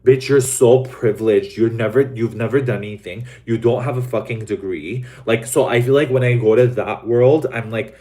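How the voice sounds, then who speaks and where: A man's voice: medium pitch, moderate pace, hardly any pauses, mellow. A young man from Los Angeles chatting casually to live viewers, rambling with lots of "like" and "um" and swearing bluntly. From Los Angeles, USA. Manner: rambling, many fillers like "like" and "um". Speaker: livestream host.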